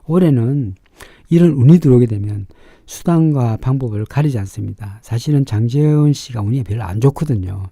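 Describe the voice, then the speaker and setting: A middle-aged man with a slightly raspy, sharp-edged voice, explaining things informally and emphatically as an opinionated fortune-telling show host. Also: mid-range voice, animated, brisk, dry recording, studio quality. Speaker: fortune-teller and face reader hosting a show.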